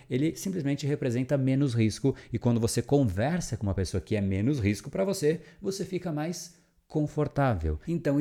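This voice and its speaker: Animated man, mellow voice. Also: mid-range voice. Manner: animated, explanatory, rhetorical questions, acts out quoted listeners. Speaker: podcast host and communication coach. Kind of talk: solo podcast monologue.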